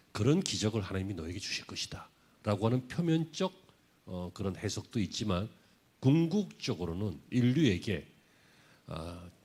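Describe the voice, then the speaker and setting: A middle-aged man preaching a Sunday sermon as pastor, moving from quiet conversational storytelling to loud, emphatic declarations. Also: on the low side, husky.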